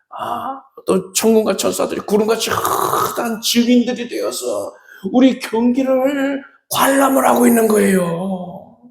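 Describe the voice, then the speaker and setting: High, gravelly preaching man in echoey church. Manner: dramatic preaching with sudden shouts and swings in pitch. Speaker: pastor. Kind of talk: Sunday sermon. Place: church sanctuary.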